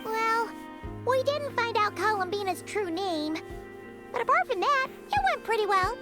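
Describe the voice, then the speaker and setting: A woman's voice: expressive, unhurried, loud music behind the voice. A woman voicing a tiny, chirpy, curious childlike fairy companion in a video game. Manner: childlike, squeaky.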